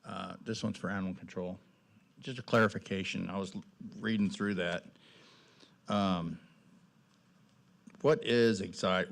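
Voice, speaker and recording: Low, gravelly, plain-spoken councilman. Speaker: city council member. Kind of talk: informal questioning at a meeting.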